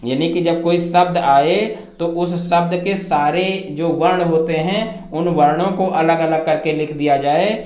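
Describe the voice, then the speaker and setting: A man's voice: fairly high pitch, fairly even intonation, measured pace, few pauses, a little mellow. A man teaching a grammar lesson, repeating each definition and posing questions he answers himself. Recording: echoey room, dull lo-fi sound.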